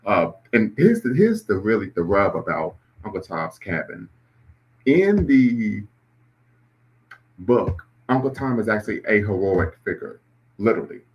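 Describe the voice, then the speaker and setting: A man's voice: fairly low pitch, big pitch swings, unhurried, slightly rough, muffled recording. A man hosting a live stream, reacting to clips and chat comments in a conversational way. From Ohio, US. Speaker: host.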